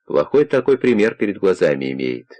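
A man reading the part of a calm, kindly older investigator who questions in a persuasive, probing way. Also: low voice, fairly quick.

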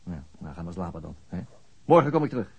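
An actor playing a weary, dogged police detective who talks hesitantly in a radio drama. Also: male voice, low-pitched, sing-song, fast, gravelly, darkish tone, husky, exaggerated voice. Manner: hesitant, with frequent stops.

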